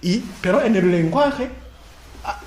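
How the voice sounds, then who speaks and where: A man preaching a sermon talk in a convent hall, animated, acting out people's replies, repeating and stammering. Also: high-pitched, unhurried. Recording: echoey room, faint noise.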